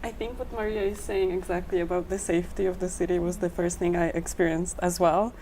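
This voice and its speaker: A woman's voice: on the low side, flat delivery, fairly quick, dark tone, slight background noise, rough recording. A young woman in her twenties from Poland, a medical student on a panel, talking casually with many ums. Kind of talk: panel discussion.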